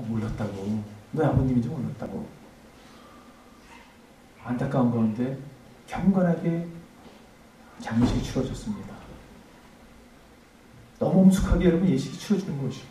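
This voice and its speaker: A man preaching a revival sermon as pastor, impassioned, swinging between emphatic peaks and hushed tones. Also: medium pitch. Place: church sanctuary. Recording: echoey church hall, mic at a distance, faint noise.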